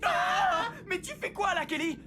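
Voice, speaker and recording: A woman's voice: very high voice, sing-song, unhurried, noisy background, exaggerated voice. A woman voicing a cocky, sarcastic preteen boy superhero in a brash, exclamatory cartoon dub. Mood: annoyed. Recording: loud music under the voice.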